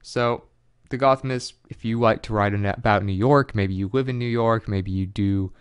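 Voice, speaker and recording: Tutorial host, male, clear, dry close-mic sound, loose, chatty delivery with fillers. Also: lowish voice, fairly even intonation, moderate pace, no room sound. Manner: loose and conversational, frequent fillers, reads out web addresses. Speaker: online money tutorial presenter. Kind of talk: casual screen-share walkthrough.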